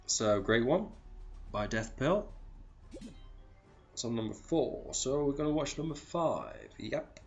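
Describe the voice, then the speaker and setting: A man with a cold, sounding croaky and sniffly, casually commentating strategy game replays and calling out percentages. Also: mid-range voice, slow pace, pauses often, dull audio, soft background music. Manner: relaxed, chatty, calls out percentages. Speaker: clan leader commentating war replays.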